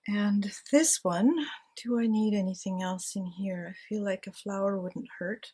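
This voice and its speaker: A crafting vlogger chats casually to herself and her viewers while decorating a handmade journal at home. Her medium-pitched voice is warm with a breathy edge, and she speaks at a measured pace with fairly even intonation.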